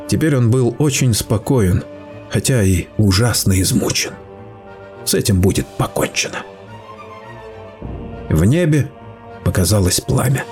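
A man reading a story aloud in steady, measured scripted narration. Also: on the low side. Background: faint music.

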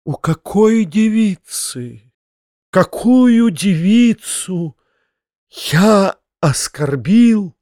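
Male reader playing a theatrical, self-pitying man, high drawn-out wails, slow. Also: a little mellow, smooth, dry recording, studio quality. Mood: anguished. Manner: wailing, drawn-out declamation.

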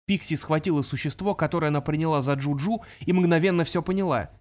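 A man narrating a fantasy adventure audiobook in a steady, dramatic storytelling manner. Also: on the high side, quick pace.

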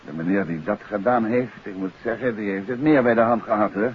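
An actor playing a polite, unruffled married gentleman detective in an understated 1950s radio drama style. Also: fairly low pitch, fairly quick. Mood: calm. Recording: dull old radio recording with clear noise.

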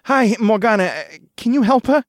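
A man's voice: a little high, big pitch swings, normal speed, no echo, studio quality, voice pushed up. A man voicing an anxious young man who stammers and pleads nervously. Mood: worried. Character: anxious young man, worried rattled roommate.

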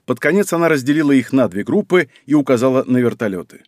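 A man reading a first-person novel aloud as an audiobook narrator, with an expressive delivery. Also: mid-range voice, fast, dry recording, studio quality.

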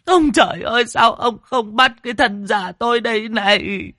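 A man voicing a grieving old grandmother who wails, sobs and curses in a shrill lament. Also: moderate pace, pushed and bright, no echo, clean studio sound. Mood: wailing grief. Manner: shrieking, sobbing lament with curses. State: crying.

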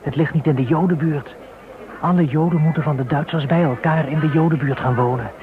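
A man's voice: fairly high pitch, a little fast, a crowd in the background, lightly acted. An actor playing a bitter, troubled Jewish working man in a Dutch radio play. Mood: worried, pleading. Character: bitter, dismissed Jewish worker seeking a house. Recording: muffled old radio recording, street bustle behind.

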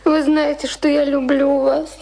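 A woman acting in a Russian radio play as a remorseful, lovestruck woman, imploring with drawn-out emotion. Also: high-pitched, level tone, vocal fry, dark tone, rough recording. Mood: pleading, tender. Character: pleading, remorseful woman desperately in love.

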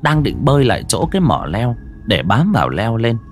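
A male storyteller, narrating a ghost tale with very lively, sweeping pitch. Faint music plays beneath his dramatic telling. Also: normal speed. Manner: dramatic, expressive.

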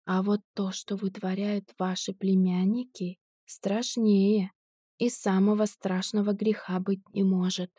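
A woman voicing a drunk, cold-blooded male tramp who robs graves, speaking slowly and sneeringly in an audiobook. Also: mid-range voice, level tone, dark tone, breathy edge, dry recording, studio quality.

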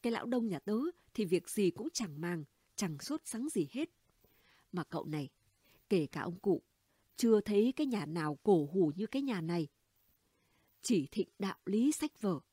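A woman's voice: mid-range voice, lively intonation, normal speed, dark tone, breathy edge, no echo, clean studio sound. A woman reading the dialogue of a gossipy, blunt middle-aged neighbor woman in an audiobook, chatty and conspiratorial. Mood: gossiping.

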